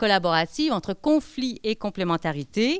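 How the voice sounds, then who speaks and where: In a very clean recording with a silent background, a woman talks with very wide pitch swings. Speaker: professor. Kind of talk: conference lecture.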